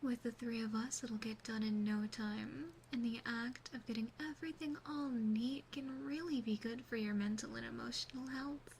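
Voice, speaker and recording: A woman voicing an obsessive, doting demon sister in an ASMR roleplay, speaking softly and close with breathy whispering. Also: on the high side, steady tone, moderate pace, few pauses, slight background noise. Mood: gently reassuring. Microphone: close binaural microphone.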